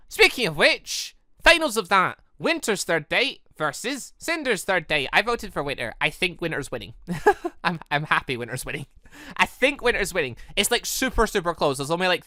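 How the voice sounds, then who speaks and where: Lively, bright-voiced man. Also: a little high, no room sound, studio quality. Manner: rambling, repeats and rephrases himself. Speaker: gaming channel host. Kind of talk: casual let's-play commentary.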